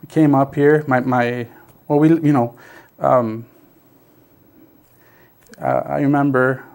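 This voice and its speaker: Man, middle-aged, from South Texas, native Basque speaker, halting, filler-heavy storytelling. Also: medium pitch, steady tone, gravelly, darkish tone. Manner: halting, many fillers and restarts. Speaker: interview guest. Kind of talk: casual storytelling.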